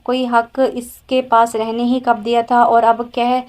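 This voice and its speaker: A woman reads a romance novel aloud in a steady, even manner. Her voice is rather high and keeps a flat, level melody. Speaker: narrator. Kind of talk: audio novel reading.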